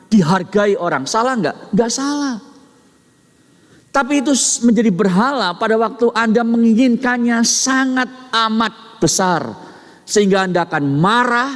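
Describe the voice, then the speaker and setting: A middle-aged man preaching a sermon, swinging between high emphatic peaks and low quiet asides, addressing his listeners as brothers and sisters. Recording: long hall reverb.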